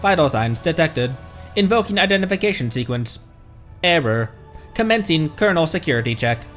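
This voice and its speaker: A man voicing a malfunctioning ancient machine system in a game, reading formal, measured announcements. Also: fairly high pitch, fairly bright tone. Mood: impassive.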